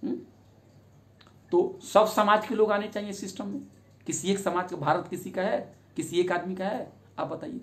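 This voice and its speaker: A man delivers an impassioned public talk. His voice sits fairly high, and he keeps pressing his listeners with rhetorical questions. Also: fairly even intonation, normal speed. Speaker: speaker on social justice.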